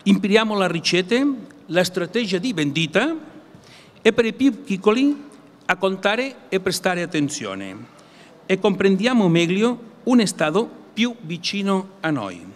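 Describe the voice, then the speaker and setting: Halting Catalan-accented man, reverberant amplified sound. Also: high-pitched, sing-song. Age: middle-aged. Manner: halting, searching for words in non-native Italian. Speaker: conference speaker presenting games. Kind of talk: prepared public presentation. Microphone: gooseneck table microphone.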